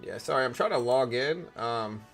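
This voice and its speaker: A man with a raspy voice hosting a live trading stream, chatting casually with viewers and reading news aloud in a rambling, think-aloud way. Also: medium pitch, lively intonation, moderate pace, faint music behind. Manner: rambling, thinks aloud and asks chat questions.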